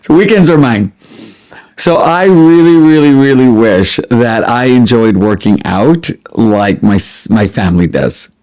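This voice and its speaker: A middle-aged man chatting casually as a vlogger, expressive and prone to wandering off on tangents as he answers questions. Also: medium pitch, measured pace. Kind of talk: casual chat to camera, answering listed questions.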